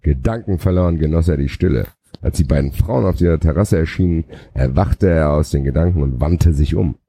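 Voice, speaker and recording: Deep, dark-voiced man reading mockingly. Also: fairly quick, slightly rough, dry recording. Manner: stumbling, sarcastic asides, frequent laughter. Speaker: podcast co-host. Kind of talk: mock reading of a novel aloud with commentary.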